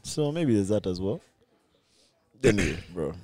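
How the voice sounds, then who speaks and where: A man's voice: fairly low pitch, very animated, moderate pace, a little mellow, no room sound. A man, bantering casually as a podcast co-host in slangy, repetitive phrases. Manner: slangy, repeats phrases for emphasis.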